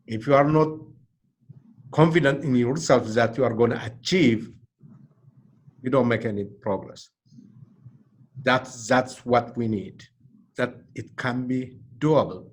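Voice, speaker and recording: A man's voice: mid-range voice, slow pace, long pauses. A middle-aged man from Ethiopia with an Ethiopian accent, speaking earnestly and carefully about his work as an insurance agent in his second language. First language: Amharic or another Ethiopian language.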